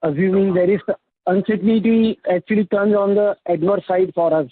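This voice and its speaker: A man with an Indian accent asking questions as an analyst on an earnings call, halting and often rephrasing himself. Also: high-pitched, steady tone, no room sound. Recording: narrowband phone line.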